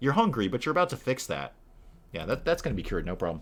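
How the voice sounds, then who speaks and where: A man with an American accent speaks with vocal fry on a very clean recording with a silent background. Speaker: game streamer. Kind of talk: live stream commentary. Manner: casual, chatty.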